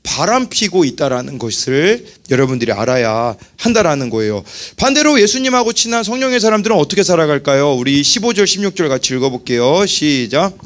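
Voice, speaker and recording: A man in his thirties preaching a youth worship sermon as pastor, animated and acting out little quoted scenes. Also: a little high, brisk, few pauses.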